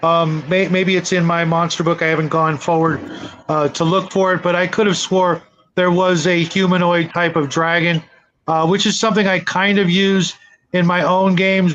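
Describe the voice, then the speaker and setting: A man in casual conversation about tabletop games, rambling and halting as he repeats his words. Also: high-pitched, a bit bright, highs cut off, a little hiss or hum. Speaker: panelist on a role-playing show.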